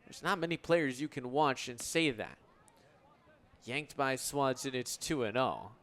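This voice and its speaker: A man's voice: medium pitch, animated, measured pace, fairly bright tone. A young American man in his twenties calling sports play-by-play for radio in articulate, flowing descriptive calls. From United States. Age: 20s.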